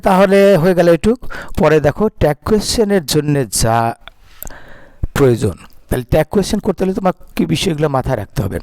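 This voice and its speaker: A man's voice: on the high side, darkish tone, no room sound. A man with a Bangladeshi accent teaching English grammar to students, repeating word lists aloud one by one.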